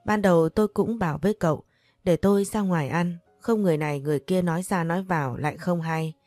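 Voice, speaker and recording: Low-voiced woman storyteller. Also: fast, a little mellow, no echo, soft background music. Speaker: narrator. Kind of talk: first-person story narration.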